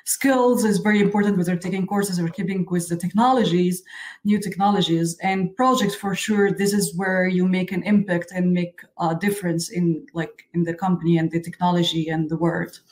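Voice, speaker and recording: A woman in her thirties who grew up in Egypt answers interview questions about her career. Her voice sits on the low side, and she speaks earnestly, filling her sentences with "like". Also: steady tone, moderate pace, darkish tone. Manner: frequent "like" fillers, earnest. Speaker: software engineer guest.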